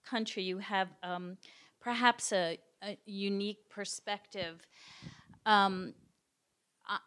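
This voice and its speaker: A woman's voice: medium pitch, a bit bright. A woman in a lecture audience asking a long question carefully and hesitantly, with many fillers. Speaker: audience member.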